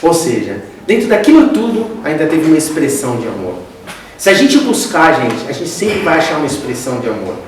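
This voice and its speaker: A man's voice: on the high side, very animated, fairly quick, a little hiss or hum. A man with a Brazilian accent giving a conversational spiritist lecture, often addressing the audience directly as "gente". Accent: Brazilian Portuguese. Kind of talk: religious lecture. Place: lecture hall. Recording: echoey hall, distant mic.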